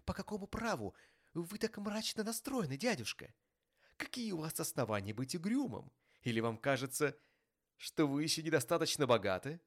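A man's voice: a little high, very animated, moderate pace, pitched above the performer's own voice. A man playing a cheerful young nephew. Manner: cheerful and earnest. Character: cheerful warm-hearted young male nephew.

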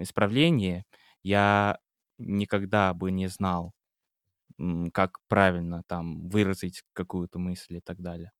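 Brief: English-accented man, smooth clear voice, low-set, halting relaxed chat, dry close mic. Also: dry recording. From England. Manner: hesitant, many pauses and restarts. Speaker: podcast co-host, Russian teacher. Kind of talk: casual chat.

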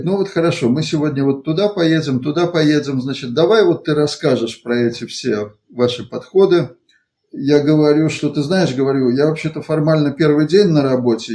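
Man recounting work experience, halting delivery. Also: a little high, warm tone. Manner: halting, digressive, reformulates as he goes. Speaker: engineering consultant. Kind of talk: conversational account of work experience.

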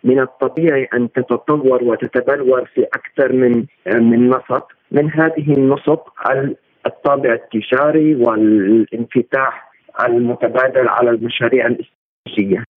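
A male analyst giving interview commentary in formal Standard Arabic, explaining at length and sometimes correcting himself haltingly. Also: medium pitch, fairly even intonation, no room sound. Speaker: political and economic analyst, interview guest. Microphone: remote phone-like connection. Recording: tinny narrowband phone-like line.

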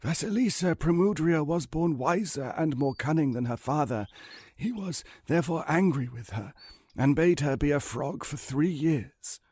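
Man playing a high-voiced, wise old man. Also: animated, moderate pace, darkish tone, breathy edge, no room sound. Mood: regretful advice. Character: kindly, wise old man of fairy tale, sorrowful. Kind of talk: storybook character voice.

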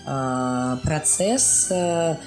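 A woman with a deep voice speaks extremely slowly, answering interview questions step by step and often checking that she's being followed. She's an animation studio production executive appearing as a guest. The recording has a roomy echo with faint music in the background.

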